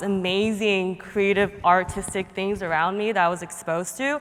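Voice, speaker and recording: Noticeable background noise behind a woman's fairly even intonation. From moved to US at seven, grew up in Portland, Oregon. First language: not English. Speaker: artist and designer. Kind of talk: conference talk. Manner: casual, filler-heavy.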